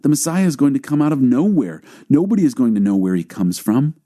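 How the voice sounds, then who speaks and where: A man's voice: mid-range voice, expressive, quick pace, warm tone, voice pushed up, close to an everyday voice. A man voicing puzzled, argumentative crowd members who question things in a dramatized scripture audiobook.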